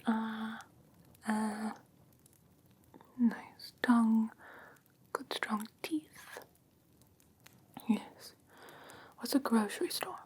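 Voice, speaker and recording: Woman as a slow whispering, haughty ancient fae. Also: a little high, exaggerated voice. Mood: puzzled, curious. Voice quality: soft breathy whisper. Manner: unhurried, matter-of-fact, faintly condescending, halting. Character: haughty, curious ancient fae woman inspecting a human pet. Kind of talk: whispered ASMR fantasy roleplay. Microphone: close ASMR microphone. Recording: close-miked with clear background ambient noise.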